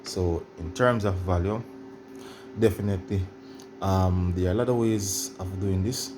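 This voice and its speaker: A man presenting an informal how-to demonstration, explaining in a halting, repetitive way and addressing viewers directly. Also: sits low, over music. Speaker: tutorial presenter.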